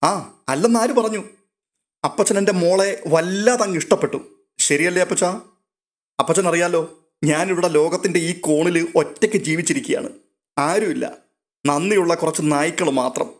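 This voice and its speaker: A man's voice: high-pitched, moderate pace, pauses often, lightly acted. A man voicing a drunk, lonely middle-aged father who boasts and gets emotional about his newfound daughter, in a read-aloud story. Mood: boastful.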